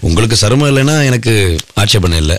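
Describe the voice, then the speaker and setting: An actor playing a curious young man back from abroad who asks questions in a lively way, in a radio drama. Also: lowish voice, close to an everyday voice. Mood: inquisitive. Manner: quick, inquisitive, lively.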